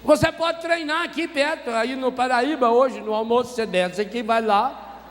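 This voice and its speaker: A Brazilian Catholic priest preaching a sermon, telling a story with humor and asking the congregation questions. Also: male voice, extremely high pitch, moderate pace. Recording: reverberant hall with faint noise.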